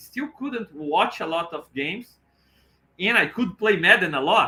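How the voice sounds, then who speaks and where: With a non-native accent, a man speaks in a bright, sharp tone, his pitch swinging very widely. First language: Portuguese. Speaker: podcast host and former goalkeeper. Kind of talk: casual solo podcast monologue. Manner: halting, with frequent repetitions.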